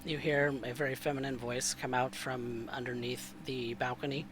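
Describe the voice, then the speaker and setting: A man narrating a tabletop roleplaying game as game master, improvising in a halting way. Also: medium pitch, level tone, noisy background.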